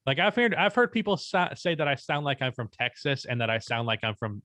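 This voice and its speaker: A young man co-hosting a casual podcast, speaking in an even, unexpressive tone and swearing casually. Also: medium pitch, a little fast, dry recording. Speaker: podcast co-host and YouTuber.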